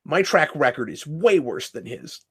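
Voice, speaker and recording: A man co-hosting a casual commentary chat, playful and animated, sometimes shouting silly character voices. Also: a little high, normal speed, slightly rough. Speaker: podcast co-host.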